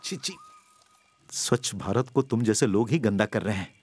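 A man's voice: fairly low pitch, moderate pace, slight background noise, close to an everyday voice. An actor dubbing a bumbling, cowardly middle-aged comic sidekick who whines and blurts out his thoughts. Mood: jittery. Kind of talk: dubbed film acting. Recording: film soundtrack with loud music.

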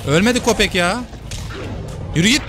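Gamer guy, excitable, slightly high voice, loud game music underneath, casual play commentary. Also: normal speed. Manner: excitable, yells at the screen. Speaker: gaming youtuber.

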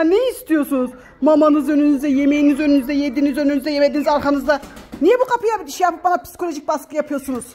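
A woman with a high, bright-sitting voice chatters away outdoors by a chicken coop, fussing over her hens and turning to her viewers. Her talk is exclamatory and affectionate, full of quick asides. Faint hiss and clucking hens sit behind her. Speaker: vlogger and backyard chicken keeper. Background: hens clucking nearby.

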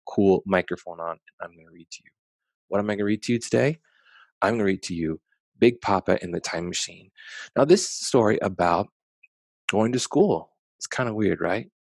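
Gravelly low American male storytime reader. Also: dry recording. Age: 30s or 40s. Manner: simple, direct address to children, with questions. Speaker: children's author reading aloud. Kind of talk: children's storytime talk and read-aloud. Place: small bedroom at home. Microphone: headset microphone.

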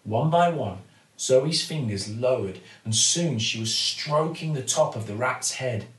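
A British man in his forties reading a children's bedtime story expressively, with theatrical pauses and emphasis. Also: medium pitch, lively intonation. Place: living room at home, indoors. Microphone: camera or phone a few feet away. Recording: roomy, mic at some distance.

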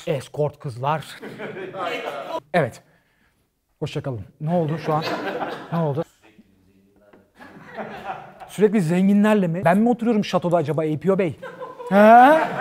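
A man opens a comedy talk show with a rapid, stand-up style monologue. His voice sits a little high and leaps around in pitch. He goes from loud punchlines to low, grumbling asides and swears freely. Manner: loud, animated, swears freely, swings from shouting to quiet asides.

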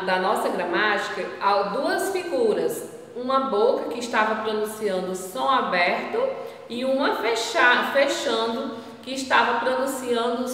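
A woman teaching a grammar lesson to children, drawing words out slowly, asking the class questions and then answering them herself. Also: fairly high pitch, a bit bright. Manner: slow, drawn-out, stressing each syllable. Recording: roomy echo, distant from the mic.

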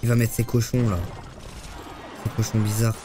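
Excitable man streaming a game, low voice. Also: normal speed, over music. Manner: excitable, swears often, talks to chat. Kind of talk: live gameplay commentary.

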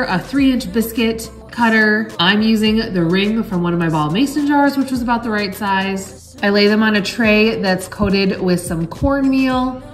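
A woman in her thirties narrating a casual home cooking vlog as she explains her meal prep. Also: medium pitch. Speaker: lifestyle vlogger and home cook. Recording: music behind the voice. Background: background music.

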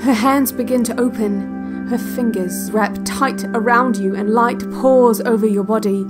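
A woman playing a calm, eerie instructor on a relaxation cassette in an audio drama, giving measured, hushed guided-meditation narration. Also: a little high, lightly acted. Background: music.

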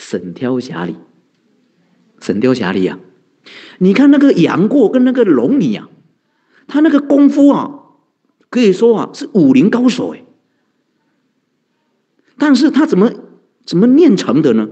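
A man's voice: sits high, wildly swooping pitch, unhurried, pauses often, warm tone, slightly rough, highs cut off. A man, a Buddhist monk giving a conversational dharma talk, asking rhetorical questions and answering them, chuckling often. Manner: chuckles often, heavy use of sentence-end particles.

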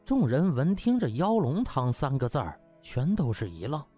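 A man narrating a comic web novel as an audiobook in a lively storytelling style. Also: mid-range voice, normal speed, husky, faint music behind.

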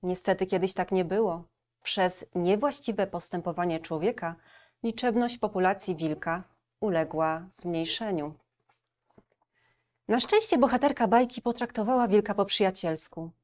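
A woman librarian reading a storybook aloud and speaking gently and directly to young children. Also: medium pitch, moderate pace.

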